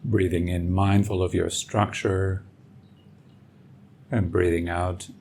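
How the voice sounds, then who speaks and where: A man leading a guided meditation as a teacher, speaking gently and soothingly with long pauses, over music. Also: low-pitched, level tone, a little hiss or hum. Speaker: meditation teacher and podcast host. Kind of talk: guided meditation, calm instruction.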